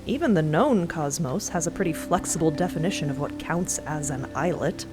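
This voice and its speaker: A woman's voice: sits low, animated, normal speed, over music. A woman narrator reading scripted audio fiction.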